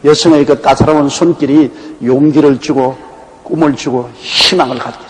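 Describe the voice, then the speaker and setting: This man, a pastor from Korea's Gyeongsang province, expounds the Bible in a folksy, anecdotal storytelling style. He speaks at a medium pitch and a moderate pace, with fairly even intonation. The recording carries the echo of a hall and faint background noise.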